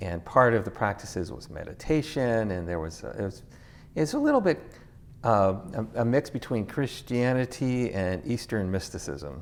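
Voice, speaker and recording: A man with a Pittsburgh accent speaks at a moderate pace and a medium pitch. His intonation is lively. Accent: American, Pittsburgh. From US, Pittsburgh, Pennsylvania. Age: 60s. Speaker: paranormal researcher. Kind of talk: interview.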